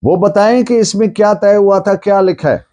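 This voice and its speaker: A man with a Pakistani accent giving an explanatory law lecture, deliberately repeating and rephrasing key points. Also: sits high, dark tone.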